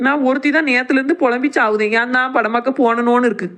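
A woman's voice: on the high side, fast talker. A woman voicing a teasing young village wife. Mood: earnest. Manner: sharp teasing banter, earnest.

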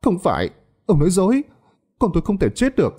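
A man's voice: high voice, wildly swooping pitch, quick pace, warm tone, slightly rough, pitched above the performer's own voice, full character voice. A man voicing a grieving young mother who wails and pleads in tears. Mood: frantic wailing. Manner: wailing, pleading, sobbing.

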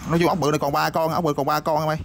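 Fast-talking parts seller. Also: male voice, on the high side, little pitch movement, creaky. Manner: rapid, repetitive hawking with many fillers. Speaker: used motorbike parts seller. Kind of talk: casual product showcase sales patter. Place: parts shop or workshop. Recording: noisy backdrop with passing vehicles.

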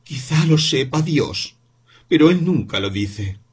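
A man voicing a bitter, weary mother in an audiobook reading, answering slowly and with resentment. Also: a little high, animated, breathy edge, voice pushed up, full character voice. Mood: resentful. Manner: slow, bitter, measured replies.

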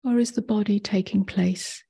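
A woman meditation teacher leading a guided meditation in a soft, breathy near-whisper, gently and with long pauses. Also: medium pitch, fairly even intonation.

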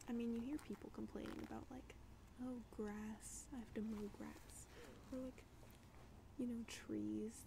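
A young woman doing a whispered, soft-spoken ASMR roleplay as an art student, hesitant and halting with subtle condescension, recorded at home. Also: a little high, gravelly, rough recording. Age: young adult. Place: small dim room at home.

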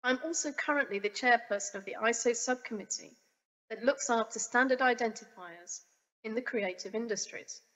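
Croaky woman from the UK, formal guest speaker, dull lo-fi reverberant video sound. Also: on the high side, a bit bright. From United Kingdom. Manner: formal and measured. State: croaky, getting over a cold. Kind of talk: pre-recorded conference presentation. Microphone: webcam video recording.

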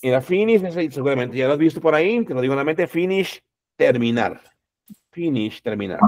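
A man teaching a class, repeating each word and its translation, calling out words loudly and then dropping his voice. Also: fairly high pitch, lively intonation, brisk. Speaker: English teacher. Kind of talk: classroom lesson.

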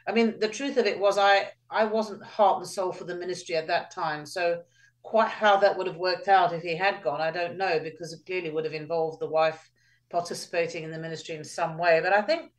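A woman in her sixties from England speaks as an interview guest. She answers in a thoughtful, measured way, with frequent fillers. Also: on the low side, steady tone, rough recording. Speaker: guest, midwife. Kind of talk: casual interview.

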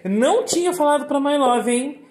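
A woman's voice: sits high, expressive, brisk, a little mellow, roomy sound. A woman casually vlogging at home, cooing at her pets in baby talk.

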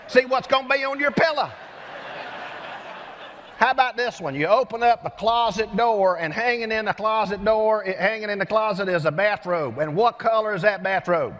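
An older man giving an energetic keynote speech on a large conference stage, telling stories with lively gestures through a headset mic. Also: sits high. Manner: animated storyteller with lively gestures. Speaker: keynote speaker. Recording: long hall reverb from arena.

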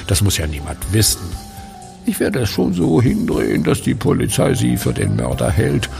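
Gravelly, gloating werewolf villain. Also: male voice, on the low side, exaggerated voice. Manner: theatrical, mockingly polite, savoring words. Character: sadistic werewolf clinic director, gloating, mannered villain. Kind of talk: German horror audio drama acting.

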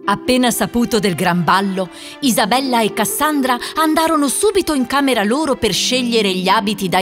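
A woman narrating a children's fairy tale from a script in an expressive storytelling manner. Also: medium pitch.

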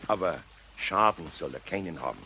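A man's voice: sits low, animated, normal speed, sharp tone, a little hiss or hum. A man playing a good-natured, sly older master craftsman with a Bavarian accent in a children's radio play, homely and admonishing. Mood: patient, scheming.

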